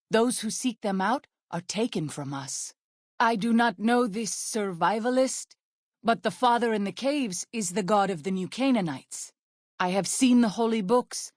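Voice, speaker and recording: An actress playing an earnest, devout tribal midwife and healer in a video game, speaking in formal, measured, reverent phrases. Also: female voice, mid-range voice, no room sound, clean studio sound, natural voice. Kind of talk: video game character dialogue.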